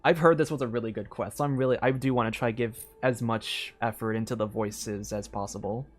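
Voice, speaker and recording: A man's voice: mid-range voice, steady tone, a little fast. A man chatting casually as a game streamer, explaining things in a hesitant, rambling way full of fillers. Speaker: streamer playing a game and voicing its dialogue. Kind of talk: casual livestream chat. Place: room at home.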